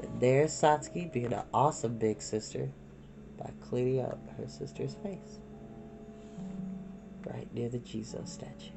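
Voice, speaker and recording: A woman reading a children's storybook aloud in an expressive narrating style. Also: very deep voice, measured pace, creaky, pauses often, music in the background. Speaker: storytime reader.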